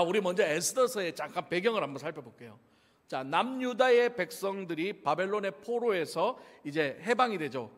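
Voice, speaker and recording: A man's voice: high voice, fairly bright tone. A man with a Gyeongsang Korean accent preaching a sermon, joking and telling the story with laughs, heard with long church reverb. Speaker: pastor. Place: church sanctuary.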